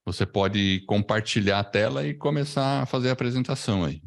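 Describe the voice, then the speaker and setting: A man's voice: lowish voice, brisk, creaky, slight background noise. A Brazilian man hosting an online lesson, giving a casual, conversational introduction and often checking in with short tag questions. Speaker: podcast course host and mentor.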